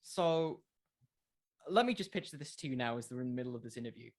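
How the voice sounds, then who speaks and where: A man's voice: medium pitch, lively intonation, brisk. Earnest man explaining in casual interview chat. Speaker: podcast creator, interview guest.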